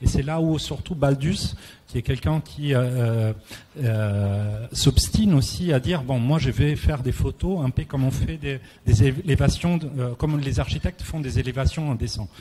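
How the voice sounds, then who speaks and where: A man speaks at a medium pitch and a fairly slow pace, his tone dark and mellow. The voice is somewhat breathy, with lively intonation. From Italy. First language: Italian (speaking French). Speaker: photographer. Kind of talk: panel discussion. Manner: halting, many hesitations.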